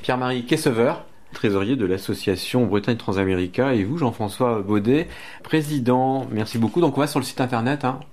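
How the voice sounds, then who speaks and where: A man hosting a radio interview, asking questions in a measured way with many hesitations. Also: medium pitch, a little mellow. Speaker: radio host.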